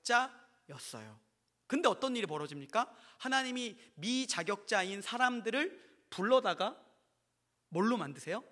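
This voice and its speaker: A male pastor preaches in a church, his voice high, bright and forceful, his pitch rising and falling widely. He keeps asking the congregation questions and answers them himself. He moves between loud emphatic lines and hushed, almost whispered ones. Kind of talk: sermon. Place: church sanctuary.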